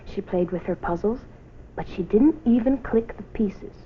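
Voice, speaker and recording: A woman reading a children's story as an expressive scripted narration. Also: mid-range voice, moderate pace. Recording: muffled noisy old film soundtrack.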